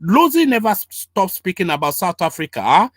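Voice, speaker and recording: A man's voice: sits high, very animated, normal speed, no echo, studio quality. A man hosting a heated panel debate, pressing his guest with repeated questions and talking over him. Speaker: host.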